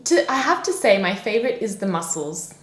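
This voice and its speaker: A young Frenchwoman, French being her first language, chats casually as a podcast guest, with plenty of fillers and restarts. Her medium-pitched voice is sing-song and fairly quick. The room sounds echoey.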